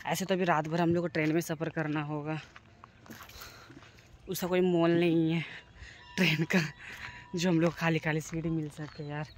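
A man's voice: a little high, little pitch movement, moderate pace, pauses often. A man with a Jharkhand Hindi accent, filming a casual travel vlog outdoors on a phone and talking to his viewers in a chatty, teasing way. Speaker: vlogger. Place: outdoors, village and roadside.

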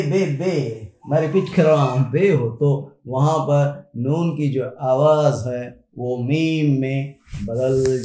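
Slow, patient male Urdu teacher. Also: medium pitch, dark tone, roomy sound. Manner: slow, explanatory, repeats example words one by one. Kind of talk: spoken grammar lesson.

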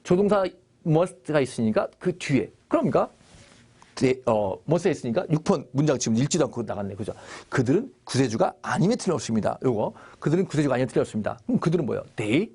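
Guy teaching english grammar w bible sentences, lively swingy pitch, bit husky. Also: fast talker. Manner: lively, asks the class questions and answers them himself.

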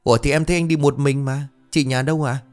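A man's voice: mid-range voice, steady tone, quick pace, voice pushed up, close to an everyday voice. A man voicing a puzzled young woman nurse who keeps asking questions in a told ghost story.

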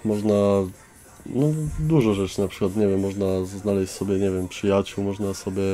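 A young man giving an informal, halting answer. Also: lowish voice, steady tone, mellow, soft background music.

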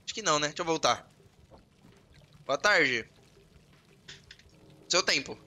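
A man with a Brazilian Portuguese accent giving excitable let's play commentary, swearing often and talking to himself and his viewers. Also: a little high, measured pace. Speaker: gamer. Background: loud game music.

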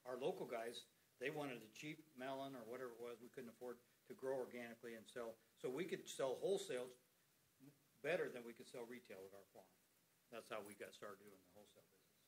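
A man's voice: medium pitch, fast, slight background noise, poor audio. A man, a farmer co-presenting a workshop, telling in a plain-spoken, rambling way how he started out. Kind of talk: telling his story at a workshop.

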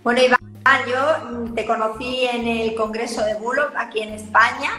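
Female host, friendly, a little high, echoey room on a video call. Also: steady tone, normal speed, pushed and bright. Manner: friendly and chatty. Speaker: host, interviewer. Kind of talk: casual interview over video call.

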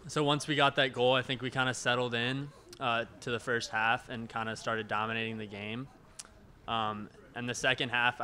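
A man's voice: mid-range voice, bright, forceful tone. A man in his early twenties, a college soccer player, answering hesitantly and matter-of-factly at a post-match press conference. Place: indoor press conference room, seated at table. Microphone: handheld microphone held close.

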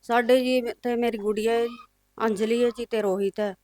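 A woman's voice: fairly high pitch, steady tone, moderate pace, darkish tone. A woman answering a reporter's questions about her family, plain and polite. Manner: plain, polite, frequent respectful particles. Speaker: interviewee, younger sister-in-law. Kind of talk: news interview testimony.

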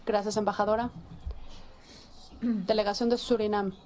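A woman's voice: medium pitch, level tone, measured pace, darkish tone. A woman working as an interpreter at a formal assembly, speaking in a neutral, businesslike manner.

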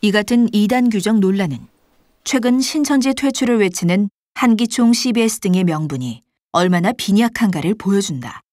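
A woman reading scripted documentary narration in a formal, measured manner. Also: medium pitch, expressive, a little mellow, no echo, studio quality, close to an everyday voice.

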